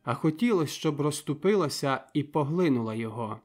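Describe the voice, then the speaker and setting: A man reading a novel aloud as an audiobook narrator, in calm, measured storytelling. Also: a little high, soft background music. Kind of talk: scripted literary narration.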